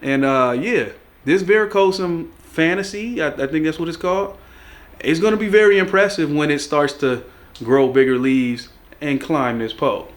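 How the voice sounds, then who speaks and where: A young plant vlogger, congested as he recovers from a cold, chats with his regular viewers about plant care in a laid-back, joking way. His voice is on the high side and he talks at a normal speed.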